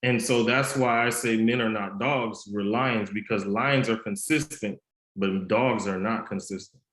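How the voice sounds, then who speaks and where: Interview guest: low-pitched man with a faint Haitian Creole accent, unhurried and earnest, recorded in a reverberant room. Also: steady tone, a bit bright. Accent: slight Haitian Creole. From United States. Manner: measured, earnest storytelling. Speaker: guest, author and mentor. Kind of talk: podcast interview. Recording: roomy echo.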